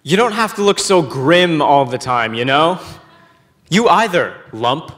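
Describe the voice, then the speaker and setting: A man's voice: fairly high pitch, animated, measured pace, fairly bright tone. A teenage male actor playing a dogged, exasperated young pilot in a radio play, recorded live on stage. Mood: wry.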